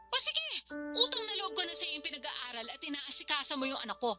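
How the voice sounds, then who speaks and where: An actress playing a harsh, judgmental older sister who is a teacher, scolding with contempt in a radio drama. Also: female voice, high-pitched, sing-song, quick pace, over music. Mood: cold. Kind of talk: Tagalog radio drama acting.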